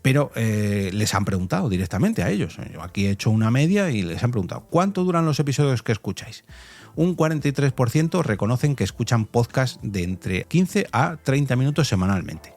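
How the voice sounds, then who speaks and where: A man's voice: mid-range voice, sing-song, a little fast, a little mellow. A man from Spain with a Spanish accent hosting a podcast, explaining things conversationally and addressing listeners directly with rhetorical questions. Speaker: podcast host. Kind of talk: conversational podcast commentary on survey results.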